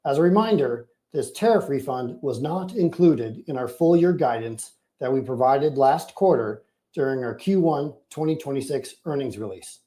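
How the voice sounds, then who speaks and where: A man's voice: medium pitch, expressive, normal speed, few pauses, dark tone. A man, a company finance chief, formally and methodically reading a scripted financial report on an earnings call.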